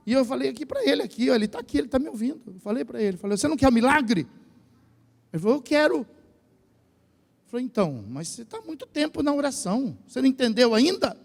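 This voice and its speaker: A Brazilian man with a very high, gravelly voice preaches in a lively, animated way, with a Brazilian Portuguese accent. His sermon swings between joking asides and shouted peaks. The sound carries a long reverb from the big church hall. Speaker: pastor.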